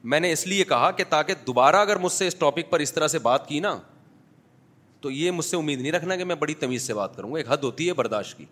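A mufti gives a Sunday lecture before a congregation in a mosque, in a fairly bright, expressive voice on the high side. His sermon includes audience questions and blunt, humorous anecdotes with acted-out dialogue.

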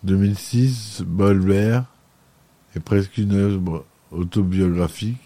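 A man's voice: sits low, warm tone. A man hosting a podcast, reading a film chronicle aloud with frequent stumbles and self-corrections. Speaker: podcast host.

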